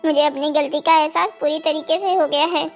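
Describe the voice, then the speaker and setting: A naive, dutiful cartoon boy as a woman plays him. The voice is extremely high and childlike, polite and earnest in delivery. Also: steady tone, fairly quick, creaky, soft background music. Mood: remorseful, earnest. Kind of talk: scripted cartoon story dialogue.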